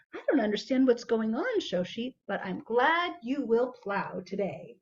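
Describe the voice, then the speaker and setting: A woman puts on a rumbling character voice at a fairly high pitch. Her intonation is lively and her pace moderate. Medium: read story. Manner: firm, grumbling.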